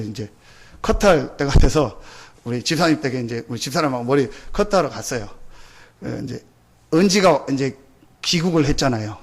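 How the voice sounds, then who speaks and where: High-voiced male pastor preaching. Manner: asks rhetorical questions and answers them; builds points by repeating phrases. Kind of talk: Sunday sermon.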